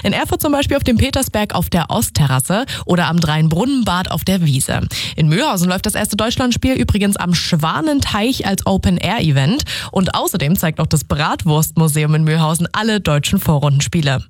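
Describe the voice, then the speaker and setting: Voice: medium pitch, lively intonation, fairly quick, dry recording, studio quality. Chatty upbeat regional radio presenter. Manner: chatty, upbeat, talks straight to listeners. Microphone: studio microphone.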